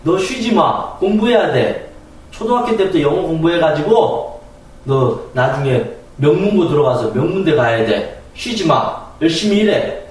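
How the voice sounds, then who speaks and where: A man's voice: on the high side, sing-song, normal speed. A man voicing a strict, impatient mother who snaps and nags at her child. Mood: scolding. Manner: snapping, nagging. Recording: echoey room, distant mic.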